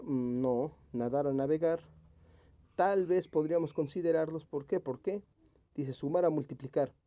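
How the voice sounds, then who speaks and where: A man, a teacher working through exam questions aloud, humming as he thinks and slowly rereading each option. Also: fairly high pitch, dark tone.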